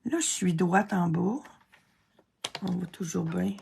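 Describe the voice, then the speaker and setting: A woman's voice: fairly low pitch, slow pace, gravelly, background noise. A Québécois woman chatting and thinking aloud through a card-making tutorial, self-deprecating and chatty. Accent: Québécois French. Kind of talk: casual craft tutorial narration.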